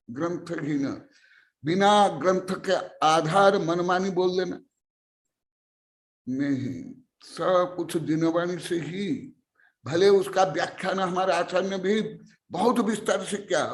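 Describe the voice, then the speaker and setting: Slow, high-voiced older monk preaching. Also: male voice. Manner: slow, emphatic lists of repeated phrases. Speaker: Jain monk teacher. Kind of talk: scripture study sermon. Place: teaching hall with listeners.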